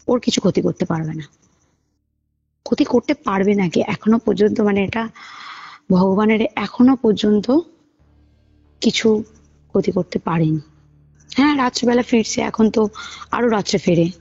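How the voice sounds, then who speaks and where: A woman tells a story casually over the phone, slipping into the dialogue she quotes. Her voice is husky and sits at a medium pitch. The call recording sounds muffled, with music playing faintly underneath. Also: darkish tone. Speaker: caller telling a personal ghost experience. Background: background music.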